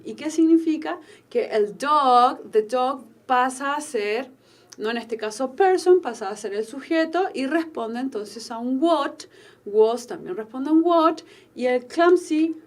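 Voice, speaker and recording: A woman with a Chilean Spanish accent giving a recorded online English grammar lesson, explaining patiently and slowing down on example sentences. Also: sits high. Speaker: English teacher.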